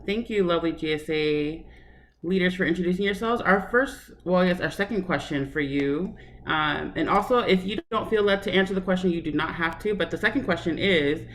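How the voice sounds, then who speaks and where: A woman hosts a workshop panel with a friendly, eager manner. Her voice sits a little low, with light background noise behind it. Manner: enthusiastic, friendly. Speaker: workshop moderator. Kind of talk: upbeat event moderation.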